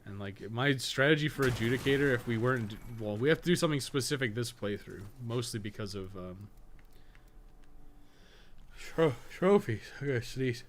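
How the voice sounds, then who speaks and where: Guy streaming a game, chatty guide-style commentary, kinda sarcastic, average pitch, bit of noise behind him. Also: lively intonation, normal speed. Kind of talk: casual live gameplay commentary.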